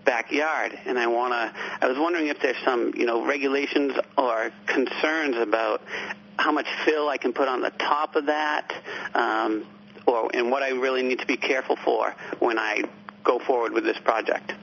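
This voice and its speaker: A man's voice: medium pitch, fairly even intonation, normal speed, gravelly, a bit bright. A man from Cape Cod calling in to a radio show, asking his question hesitantly with fillers and restarts. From Cape Cod, Massachusetts. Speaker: caller. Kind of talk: call-in question. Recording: dull lo-fi call-in audio, faint noise.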